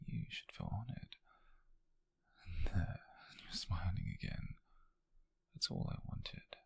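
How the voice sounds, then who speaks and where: A British man playing a gentle, teasing witch mentor in an ASMR roleplay, speaking in a breathy, hushed half-whisper with soothing, intimate phrasing. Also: fairly low pitch, no room sound, exaggerated voice. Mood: tender teasing. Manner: soothing, intimate, unhurried, softly formal phrasing. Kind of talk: ASMR roleplay addressed to the listener.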